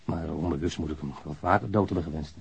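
An actor playing a working-class man confessing to a killing in a radio drama, halting, frank and matter-of-fact. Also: extremely low pitch. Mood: hesitant, frank. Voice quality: gravelly, husky. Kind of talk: naturalistic radio drama acting. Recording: dull, muffled lo-fi sound.

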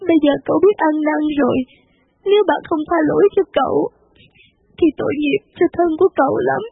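A woman's voice: quick pace, gravelly, no echo. A woman voicing a humble young servant girl who pleads meekly and tearfully. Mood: pleading. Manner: meek, pleading, higher voice. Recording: tinny phone-like, dry.

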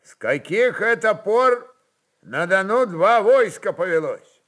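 Guy doing a bossy old-time russian governor, raised pitch, stern and impatient, audiobook. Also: expressive, slow, a bit bright, exaggerated voice. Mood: stern questioning. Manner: commanding, impatient.

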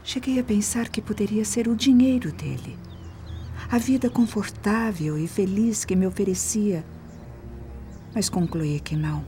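In a Brazilian radio drama, an actress with a Brazilian accent plays a vain, tormented young mistress making a wistful confession, sounding dramatic and breathy. Her mid-range voice is mellow and measured, close to everyday speech, with a little hiss or hum.

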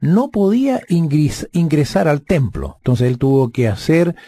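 A man's voice: fairly high pitch, very animated, unhurried, mellow, no room sound. A man in a conversational Bible lesson who reads scripture passages aloud and explains them. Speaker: Bible study guest teacher.

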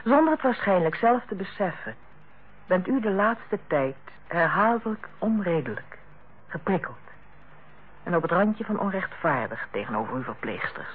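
An actress in a Dutch radio play as a female hospital director, authoritative yet kindly, speaking in a measured, formal and persuasive way. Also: on the low side, very animated, a little hiss or hum. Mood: earnest, careful. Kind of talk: Dutch radio drama acting. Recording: muffled, band-limited old radio recording.

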